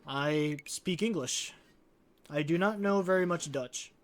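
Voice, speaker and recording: Wry man streaming, higher-pitched voice. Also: unhurried. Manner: wry, conversational. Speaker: let's play streamer. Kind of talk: casual game commentary. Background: game music.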